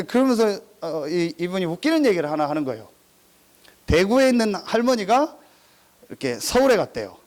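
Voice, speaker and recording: A man's voice: sits high, darkish tone. A male pastor preaching a sermon filled with humorous anecdotes. He talks straight to the congregation with rhetorical questions, mimics regional dialects and laughs at his own jokes.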